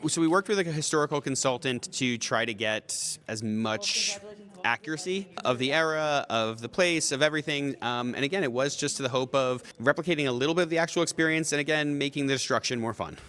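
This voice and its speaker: Fast-talking man in an interview. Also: medium pitch, a bit bright. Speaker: animated series creator being interviewed. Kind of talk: conversational interview answers.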